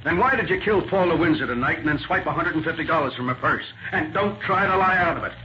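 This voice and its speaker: An American man playing a gruff, impatient police sergeant who questions and accuses in slangy 1940s radio style. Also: a little high, animated, fast, close to an everyday voice. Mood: accusing. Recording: muffled, noisy 1940s radio recording.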